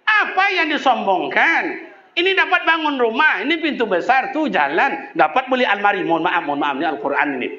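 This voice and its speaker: A man's voice: very high voice, normal speed. A man preaching a humorous sermon, teasing the congregation and mimicking local people. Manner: jokey, lively storytelling with mimicked voices. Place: mosque. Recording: echoey mosque, dull sound.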